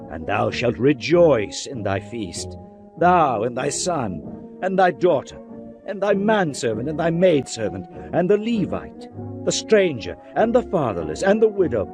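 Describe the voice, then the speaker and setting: Male narrator for a dramatized Bible reading, mid-pitched, solemn and measured, music under the voice. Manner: solemn, measured recitation of archaic scripture. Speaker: scripture narrator. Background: background music.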